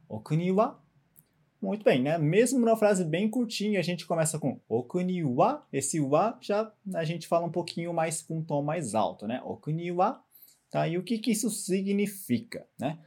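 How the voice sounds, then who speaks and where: A man's voice: a little high, warm tone. A man teaching a Japanese lesson, patiently repeating example sentences. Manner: patient, repeats phrases for the student.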